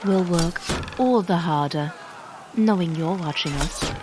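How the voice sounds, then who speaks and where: An actress playing an eager, respectful warrior in training in a scripted audio drama. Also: female voice, lowish voice, a little slow, background noise, lightly acted. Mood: eager, admiring.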